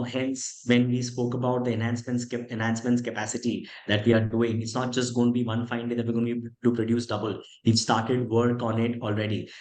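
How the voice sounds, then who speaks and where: A man's voice: mid-range voice, darkish tone. Indian man in echoey room, explaining. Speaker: company executive answering investor questions. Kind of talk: conference call question and answer. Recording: echoey room on conference call.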